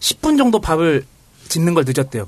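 This man's voice sits fairly high and swings very widely in pitch. He talks at a moderate pace and sounds somewhat breathy. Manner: animated.

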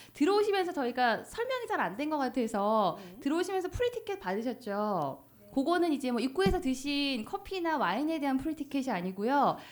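A woman talks at a fairly quick pace with a cheerful tone. Her pitch swings very widely. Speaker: radio DJ and podcast host. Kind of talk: live public podcast recording. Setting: stage with audience. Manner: cheerful, laughing.

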